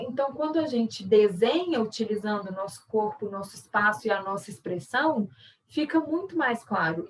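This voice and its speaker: A woman's voice: fairly high pitch, recorded from a distance, rough recording. Brazilian woman teaching over a call. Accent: Brazilian Portuguese. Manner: explanatory, conversational, many tag questions. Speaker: sign language interpreter and workshop teacher. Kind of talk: online workshop lesson.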